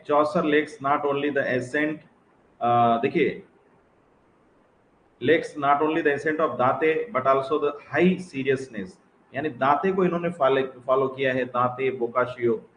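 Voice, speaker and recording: A man's voice: on the high side, muffled recording. A man teaching literature as an exam-prep lecture, explaining step by step and often calling out to the student, mixing English phrases into his speech. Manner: mixes English phrases into Hindi. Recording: echoey room with faint noise.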